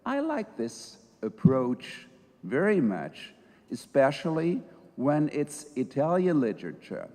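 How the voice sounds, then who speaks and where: A middle-aged man, a judge speaking at an academic conference, talking slowly and thoughtfully with many pauses and fillers. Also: on the high side, wildly swooping pitch, darkish tone. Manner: slow, thoughtful, hesitant with fillers. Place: large lecture hall. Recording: reverberant lecture hall.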